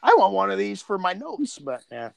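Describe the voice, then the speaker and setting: A man's voice: high voice, huge pitch swings, normal speed, gravelly, no echo, studio quality. A middle-aged man co-hosting a podcast, chatting casually in a rambling, slangy, joking way. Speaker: podcast co-host and co-creator. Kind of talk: casual chat.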